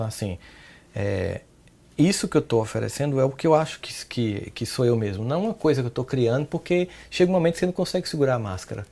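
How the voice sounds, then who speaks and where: A middle-aged man from Paraíba in Brazil, speaking as a psychologist being interviewed, with an animated delivery whose pitch jumps up on emphasis. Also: vocal fry. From Paraíba, Northeast Brazil. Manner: animated, pitch jumping up on emphasis, frequent "né?" and "entende?". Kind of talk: reflective interview talk.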